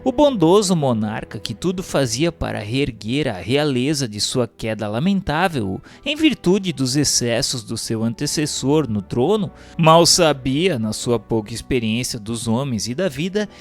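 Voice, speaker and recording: A man with a Brazilian accent reading scripted narration in a formal, solemn, declamatory manner. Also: medium pitch. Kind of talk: scripted audiobook-style narration of a historical religious text. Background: music.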